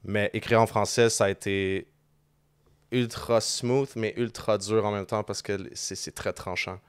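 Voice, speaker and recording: Low, flat-voiced Québécois man. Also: measured pace, clear, resonant tone, dry recording. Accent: Québécois French. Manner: switches freely between French and English slang. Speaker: band member and lead vocalist, guest. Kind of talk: casual podcast conversation. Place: podcast studio.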